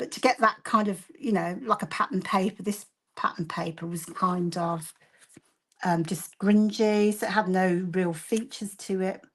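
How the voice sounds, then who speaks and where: A somewhat breathy woman speaks with a Birmingham accent at a moderate pace. Her pitch sits at a medium level with ordinary variation. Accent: Brummie. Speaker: craft video host. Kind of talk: casual crafting demonstration chat. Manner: chatty, halting with fillers.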